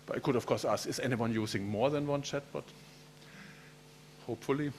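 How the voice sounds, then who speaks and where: Chatty professor giving keynote. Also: male voice, mid-range voice, fairly quick, darkish tone, a little hiss or hum. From Germany. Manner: friendly, chatty, repeats words while speaking. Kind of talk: keynote lecture.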